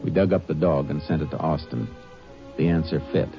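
A man playing a steady, shrewd Texas Ranger in an old radio drama, with an American accent. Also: extremely low pitch, brisk, gravelly, over music. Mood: grave narration. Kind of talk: 1950s radio drama acting. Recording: dull, muffled old radio broadcast.

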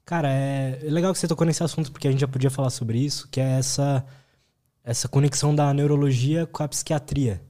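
Male podcast host, quick delivery, warm dark tone, casual and friendly. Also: mid-range voice. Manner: relaxed, friendly, brief reactions.

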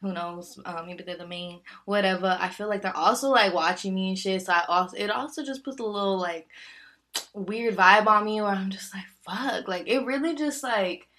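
A woman's voice: medium pitch, normal speed, bright, forceful tone. A young woman in her early twenties hosting a casual solo podcast, talking candidly with lots of fillers and laughs. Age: 20s. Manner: chatty, candid, laughs often, many fillers. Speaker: podcast host.

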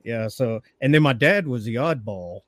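Guy from memphis, forties, jokey and laughing a lot, lively up-and-down voice, dry close sound. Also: medium pitch, moderate pace, dry recording. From Memphis, USA. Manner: laughs often, joking. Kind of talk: casual chat.

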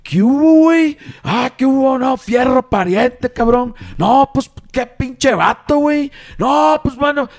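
A man putting on a high, slangy northern Mexican guy. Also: heavily acted. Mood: brash. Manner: rapid slangy banter.

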